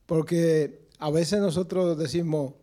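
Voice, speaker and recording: A man in the congregation speaks up during a church service, telling his testimony in a halting way and repeating words as he goes. His voice is fairly high but soft and warm in tone. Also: fairly even intonation. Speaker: church member giving testimony.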